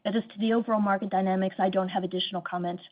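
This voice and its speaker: A woman's voice: mid-range voice, fairly even intonation, very fast. Female executive on dull conference audio. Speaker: company executive. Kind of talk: earnings call answers.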